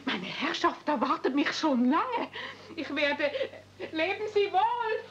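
Evasive maidservant aunt, highish voice, overly polite, muffled old radio play recording. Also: female voice, sing-song, takes it slowly, fairly bright tone, exaggerated voice. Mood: flustered, evasive. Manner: deferential, hedging, polite. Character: evasive, deferential young aunt in domestic service. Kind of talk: 1970s radio play acting. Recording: dull, noisy old cassette transfer.

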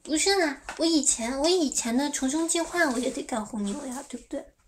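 A woman's voice: high-pitched, a little fast, a little hiss or hum. A young woman from China chatting playfully with fans on a livestream, reading their comments aloud and stumbling over English words. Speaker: idol livestream host. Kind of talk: casual livestream chat with fans.

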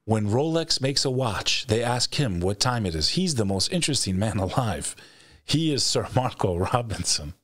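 A middle-aged show host gives a blunt, emphatic, profane motivational talk in an interview, repeating phrases for weight. He is recorded over a video call in an indoor studio on a close studio mic on a stand, with dry, studio-quality sound. His voice is fairly low, bright, and lively, at normal speed.

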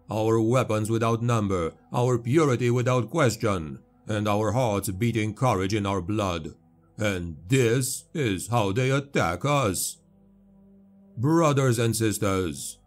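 A man voicing an armored male warrior-chaplain who talks slowly, booming and full of contempt, with faint music behind. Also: darkish tone, close to an everyday voice. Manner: slow, booming, scornful. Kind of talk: audiobook character voice.

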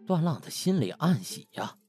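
A man narrating a comic novel in an expressive, colloquial storytelling style. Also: a little high, moderate pace, faint music behind. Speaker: audiobook narrator.

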